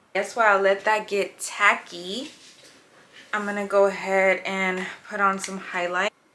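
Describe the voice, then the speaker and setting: At a fairly slow pace, a woman with an ordinary speaking voice and an American accent talks at a medium pitch. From Houston, Texas. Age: 30s. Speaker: beauty and lifestyle vlogger. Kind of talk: casual makeup tutorial talk to camera. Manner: upbeat, chatty.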